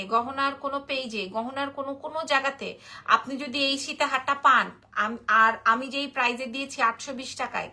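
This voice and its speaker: A high-sitting, bright, pushed voice belongs to an online jewelry seller with a Bangladeshi Bengali accent. Sounding sleepy, she chats through a live-stream sales pitch, reading out what viewers comment and going over prices again and again.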